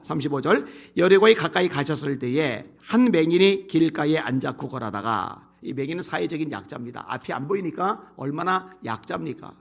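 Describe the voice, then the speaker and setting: A man's voice: a little high, vocal fry. A male pastor preaching a sermon, reading scripture aloud and explaining it in a plain, conversational way, with a strained voice from bronchial trouble. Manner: reads scripture loudly, then explains in plain conversational asides.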